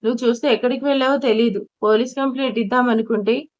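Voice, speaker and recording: A tense, angry family man, demanding and agitated over a missing relative, as a woman storyteller reads him in a fairly high voice. It is an audio storybook reading on a muffled, lo-fi recording. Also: steady tone, fast, lightly acted. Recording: dull lo-fi recording.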